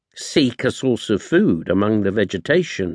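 Man with a British accent, very wide pitch swings and vocal fry. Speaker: audiobook narrator. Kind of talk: first-person memoir narration building suspense in a survival story. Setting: studio. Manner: tense, dramatic pacing with short clipped beats like 'Relief. Except not quite.'; wry, self-deprecating humour undercutting the peril.

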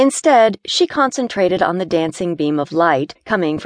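The speaker is reading aloud in a natural voice, intonation lively throughout.

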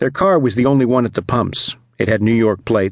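This recording is plain reading aloud.

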